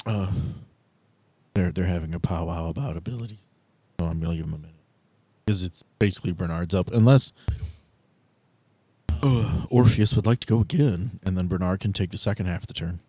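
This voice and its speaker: A man's voice: low voice, a little fast, pauses often, warm tone, husky, no echo. A man acting as game master, narrating and making rulings in a casual, conversational style.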